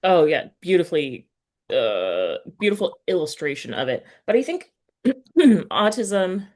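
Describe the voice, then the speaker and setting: A woman hosting a casual interview, thinking aloud in a halting way and often correcting herself. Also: fairly low pitch, sing-song, darkish tone. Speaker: podcast host interviewing an author.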